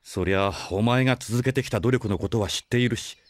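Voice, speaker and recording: A man playing a gentle, worried older brother in an audio drama, lecturing with formal politeness. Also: fairly low pitch, a little fast, no room sound, close to an everyday voice. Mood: startled, concerned. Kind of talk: Japanese audio drama acting.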